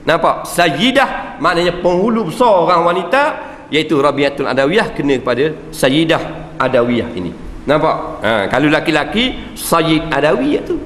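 Malay-accented male religious teacher, higher voice, lively lecture, hall echo. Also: moderate pace, slight background noise. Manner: lively, jokey, checks the audience with frequent 'ha', 'nah', 'nampak?'. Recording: echoey hall with long reverb, faint ambience.

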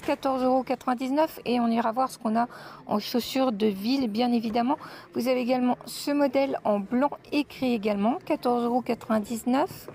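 Female shopping vlogger, high voice, casual and chatty, phone-recorded in a store aisle. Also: darkish tone, slight background noise. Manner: chatty, addresses viewers as girls, many fillers.

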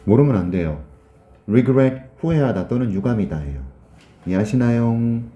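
A man teaching grammar in a lively classroom lecture, joking with and teasing his students as he quizzes them. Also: mid-range voice, normal speed, echoey room, lo-fi sound. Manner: jokey, teasing, quizzes students in casual speech.

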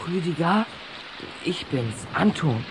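A man playing an earnest, loyal, quick-witted boy in a children's radio play, sometimes hesitant. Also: on the high side, lively intonation, noisy background. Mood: consoling. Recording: clear background rain ambience.

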